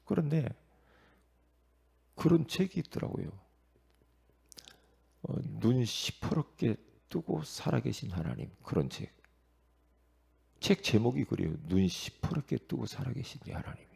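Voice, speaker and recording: A man's voice: medium pitch, very animated, measured pace, gravelly, long pauses, dark tone, slightly rough. A man preaching an early-morning prayer sermon as pastor, asking the congregation questions and repeating his points for emphasis.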